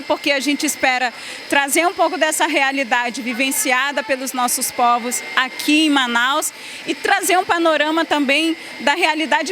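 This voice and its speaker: A woman activist and educator, speaking fluently and with commitment in a news interview. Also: sits high. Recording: outdoor noise, vehicles behind.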